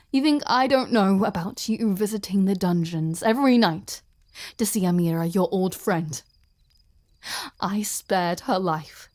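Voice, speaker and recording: Female performer as possessive ice queen general for intimate audio drama; medium-pitched, unhurried, intense, breathy and halting, cruel with a wounded edge. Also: a little mellow, lightly acted. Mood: angry, possessive. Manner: halting, slow, intense, often dropping to a breathy whisper. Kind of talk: dramatic audio roleplay addressed to the listener.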